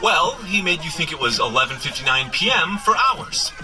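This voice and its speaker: An actor playing an excitable, joking superhero in a comedy audio adventure, speaking in an animated, exclaiming way. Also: male voice, on the high side, moderate pace, music in the background. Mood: wry.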